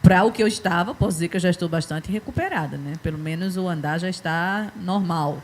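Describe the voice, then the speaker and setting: A woman's voice: on the low side, fast talker, slight background noise. A woman, a co-host on a church webcast, replying briefly and plainly. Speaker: program co-host. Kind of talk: casual chat.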